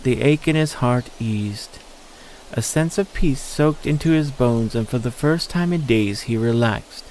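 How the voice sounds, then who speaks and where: A man's voice: medium pitch, unhurried, darkish tone, slight background noise, rough recording. A man narrating a scripted story in an audio drama.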